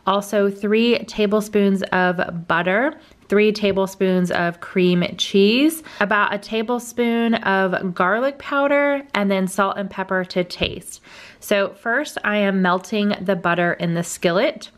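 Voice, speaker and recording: A woman's voice: mid-range voice, slow. A young woman hosting a casual cooking vlog from her home kitchen, talking to viewers in a chatty, upbeat way. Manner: chatty, upbeat, addresses viewers as y'all and guys. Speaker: cooking vlogger. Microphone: camera at close range.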